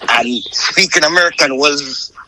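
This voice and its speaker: A man's voice: on the high side, unhurried, pushed and bright, no room sound, low-quality recording. A man in his fifties with a Jamaican accent, talking casually as a guest in a phone interview. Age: 50s.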